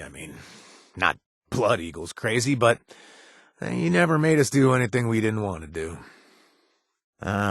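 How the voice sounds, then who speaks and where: An actor playing a remorseful former gang member and recovering addict who now runs a bar, talking casually with wry asides and trailing hesitations, recorded in a dry booth. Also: male voice, on the low side, no echo. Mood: easygoing. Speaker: companion character. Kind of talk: video game voice acting.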